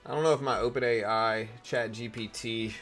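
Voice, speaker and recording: A raspy-voiced man with a fairly low pitch hosts a casual live stream, thinking out loud and tossing questions to his chat. He reads news aloud between loose asides, with faint music playing behind him. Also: steady tone, normal speed. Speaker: live trading stream host.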